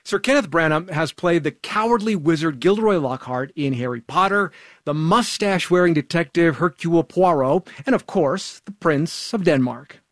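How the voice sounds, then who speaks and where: Male news host, fairly high pitch, easy conversational interviewer, close dry studio mic. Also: lively intonation, normal speed, no echo. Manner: conversational, lightly amused. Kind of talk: interview introduction. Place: radio studio.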